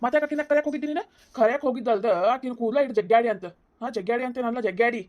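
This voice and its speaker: Woman doing a young husband guy, north karnataka kannada accent, scolding nonstop, rapid fire, slightly high. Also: darkish tone, dull audio, natural voice. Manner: scolding, insistent, lecturing. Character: heated young husband defending his wife against his mother.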